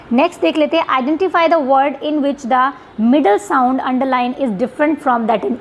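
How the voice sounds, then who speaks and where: A woman's voice: high voice, slight background noise. A woman teacher explaining English sounds in an exam-prep lesson, checking in with her students and asking rhetorical questions as she goes. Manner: reads English questions slowly.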